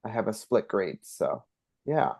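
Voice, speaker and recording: A man in his thirties from Canada, a schoolteacher talking as a podcast guest in a relaxed, chatty way with many ums. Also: on the low side, unhurried, gravelly, husky. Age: 30s. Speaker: guest, elementary school teacher. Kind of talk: casual interview talk.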